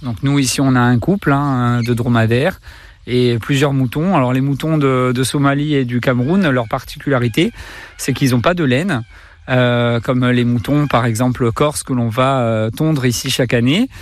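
A man's voice: mid-range voice, steady tone, normal speed, slight background noise. A middle-aged man from Corsica, a zoo director, talks while walking outdoors through the park, hesitant with many fillers and restarts. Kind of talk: interview on a walking tour.

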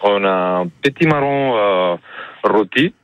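A man running a small pizzeria, answering hesitantly with many pauses and fillers. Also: on the low side, lively intonation, no room sound, dull audio. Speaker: pizzeria owner guest.

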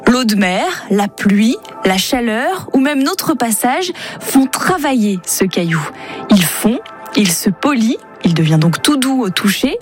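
Storytelling woman radio columnist. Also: a little high. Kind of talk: scripted explanation for children.

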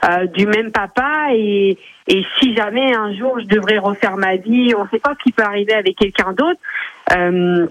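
A woman's voice: mid-range voice, normal speed, no room sound. A woman in her forties calling a radio show, telling her story with many hesitations over a phone line. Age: 40s. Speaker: caller. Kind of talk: personal testimony on radio.

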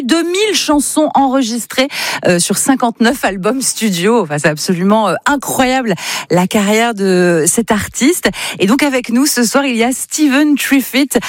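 Lively French woman radio host, dry. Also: a little high, no echo. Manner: enthusiastic, quick to laugh. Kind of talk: live interview.

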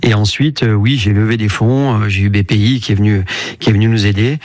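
Fast-talking man, dry studio sound. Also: lowish voice, fairly even intonation, darkish tone, no room sound. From France. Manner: fast, eager, repeats words while explaining. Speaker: company CEO, interview guest. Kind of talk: radio interview, explaining.

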